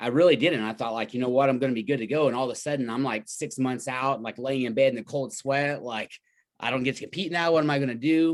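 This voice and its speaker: A very fast-talking man with an American accent and a medium pitch. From Oklahoma (Pawhuska). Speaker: podcast host, wrestling coach. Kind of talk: podcast interview. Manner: animated.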